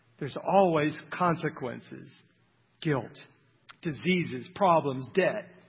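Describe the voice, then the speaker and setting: Pitched fairly high, this man's voice has vocal fry and ordinary pitch variation. He speaks at a very slow pace with long, frequent pauses. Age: 60s. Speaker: pastor. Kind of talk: sermon.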